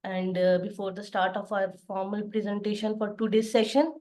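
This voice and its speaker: A woman's voice: mid-range voice, flat delivery, a little mellow. Woman lecturing over a video call. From Pakistan. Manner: careful, plain explaining with frequent "uh" pauses. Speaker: assistant professor giving a webinar lecture. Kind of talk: online lecture. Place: home study with bookshelves behind.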